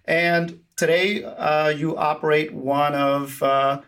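Male podcast host, voice a touch high, conversational interviewing with some repeated words. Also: flat delivery, slow, a bit bright, clear, resonant tone.

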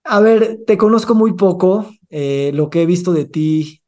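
A man's voice: sits high, measured pace, a little mellow. A man hosting a podcast, reading the guest's introduction and asking curious, friendly questions. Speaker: podcast host.

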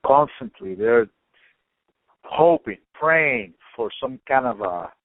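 A man from Cuba, talking in animated casual chat, swearing freely and using many fillers. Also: mid-range voice, takes it slowly, dry recording. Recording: tinny phone-like line.

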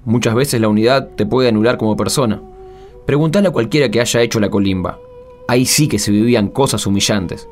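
A man's voice: medium pitch, fairly quick, close to an everyday voice. A man playing a candid, middle-aged Argentine war veteran turned devout Catholic in a radio drama, speaking in an emphatic, colloquial way. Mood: firm, insistent. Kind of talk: radio drama interview acting. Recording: music bed behind the voice.

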